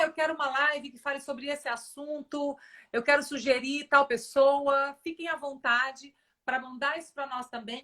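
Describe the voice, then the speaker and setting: A woman hosts a casual live stream, chatting away and speaking straight to her viewers with fillers like "né." Her voice sits high, bright and forceful.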